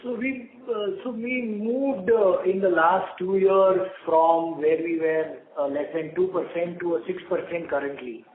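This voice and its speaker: Company exec guy giving answers on a call, highish voice, roomy phone sound. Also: fairly even intonation, a little slow, few pauses. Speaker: company executive. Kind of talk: answering questions on an earnings call. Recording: echoey, narrow conference phone line.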